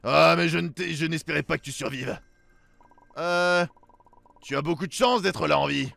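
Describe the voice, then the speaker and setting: Guy doing a slow booming demon villain monologue for a game, taunting, gravelly, drops down low. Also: bright, forceful tone, heavily acted. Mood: menacing. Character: menacing demon monster villain, gloating and taunting. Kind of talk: dramatic read-aloud of video game dialogue.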